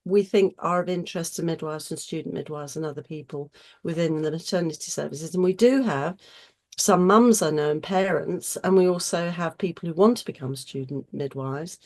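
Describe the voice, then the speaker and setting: A woman chairing an online session in a chatty, effusive way, her voice husky from a cold. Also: deep voice, moderate pace, a little mellow. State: getting over a cold. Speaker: host chairing an online webinar. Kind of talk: informal presenter's welcome and introductions.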